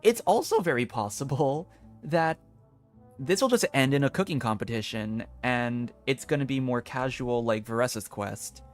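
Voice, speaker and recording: A man's voice: medium pitch, expressive, normal speed, faint music behind. A man giving casual, rambling commentary as he streams a video game. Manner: rambling, frequent "like". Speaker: gaming streamer. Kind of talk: casual game commentary and dialogue read-aloud.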